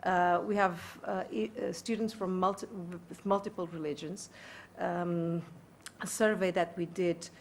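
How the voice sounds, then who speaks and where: A woman from Portugal, answering at a conference panel in a deliberate way, searching for words and correcting herself. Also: fairly low pitch, steady tone, slight background noise. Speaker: conference panelist, university leader.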